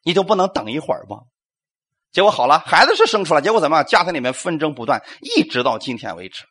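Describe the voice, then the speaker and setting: A man's voice: fairly high pitch, big pitch swings, fast talker, a bit bright, breathy edge. A male pastor preaching a sermon, asking rhetorical questions, acting out quotes and calling for amens.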